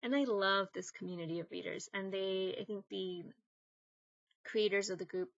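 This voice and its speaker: A young woman from northern Mexico whose first language is Spanish, talking casually and thoughtfully to camera as a book vlogger, with frequent ums and pauses. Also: medium pitch, fairly even intonation, vocal fry, dry recording, muffled recording. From Monterrey, northern Mexico. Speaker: booktuber.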